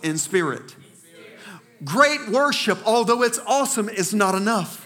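A man's raised, projected, high-pitched voice, animated in tone, at a fairly slow pace over noticeable background noise. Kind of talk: sermon. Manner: animated, call-and-response, urging the congregation to repeat lines; earnest, conversational and warm.

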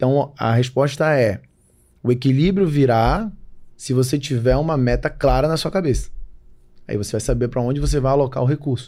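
A man at a medium pitch with a dark, mellow tone, a moderate pace, ordinary pitch variation, long and frequent pauses, and a very clean recording over a silent background. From Belém, Pará, northern Brazil. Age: 30s. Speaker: business consultant. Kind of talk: interview conversation.

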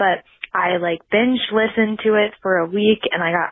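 Medium-pitched woman's voice with ordinary pitch variation at a moderate pace. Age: young. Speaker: listener leaving a voicemail. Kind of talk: voicemail message. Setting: phone voicemail.

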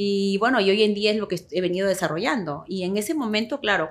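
A woman with an ordinary speaking voice, medium pitch and a fairly quick pace. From Peru, Chimbote. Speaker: restaurant entrepreneur. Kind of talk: interview.

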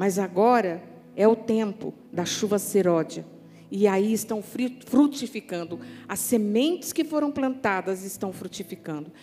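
At a fairly slow pace, a woman talks in an ordinary speaking voice at medium pitch. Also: lively intonation. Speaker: pastor. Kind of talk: sermon.

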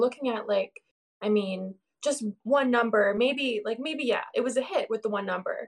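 A woman with a Canadian accent talks at a moderate pace in a high pitch with ordinary pitch variation. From Canada. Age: 20s. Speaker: podcast guest. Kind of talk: casual chat.

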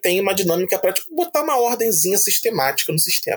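Speaking at a fairly quick pace, a man delivers the lines. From Brazil, Rio de Janeiro (born in Manaus). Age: 30s. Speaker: game designer and history teacher. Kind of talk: casual interview.

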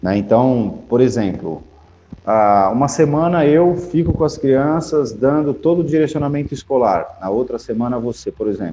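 A man with an ordinary speaking voice, fairly high in pitch, at a moderate pace with lively intonation. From São Paulo, Brazil. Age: 40s. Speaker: posture and ergonomics specialist. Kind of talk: podcast interview. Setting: headset, remote recording.

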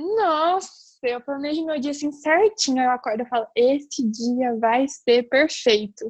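A woman with a high pitch and lively intonation speaks at a fairly slow pace with hardly any pauses. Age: 20s. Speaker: podcast host, content creator. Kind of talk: casual chat.

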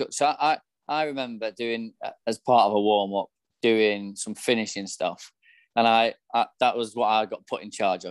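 At a moderate pace, a man speaks in a plain, everyday voice with a medium pitch, the sound dry and close with no echo over a quiet background. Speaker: podcast co-host. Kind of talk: casual chat.

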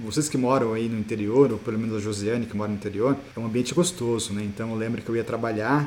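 Speaking at a fairly quick pace, this is an ordinary speaking voice. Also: man. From Brazil, Osasco (Greater São Paulo). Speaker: graphic designer and entrepreneur. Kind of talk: casual interview chat.

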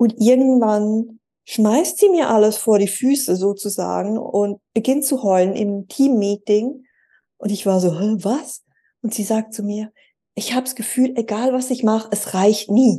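A woman's fairly high voice with a dark, mellow tone, ordinary pitch variation and a fairly slow pace. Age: 40s. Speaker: dating mentor for single women, former HR manager. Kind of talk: interview conversation.

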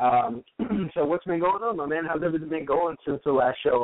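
A normal speaking voice talks at a moderate pace. Its pitch varies in an ordinary way. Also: man. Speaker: radio host. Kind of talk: live radio show chat. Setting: phone interview with guests. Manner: casual, chatty.

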